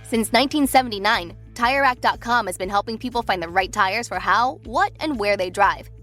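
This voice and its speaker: A woman's voice: medium pitch, expressive, brisk, pushed and bright. An American woman reading a scripted commercial as an announcer. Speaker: advert announcer. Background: faint music.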